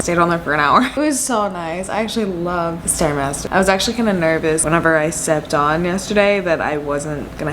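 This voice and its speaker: A young woman in her twenties vlogging in a casual, upbeat, rambling way, a little hoarse from a head cold. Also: fairly low pitch, noisy background. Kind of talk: casual vlog chat to camera.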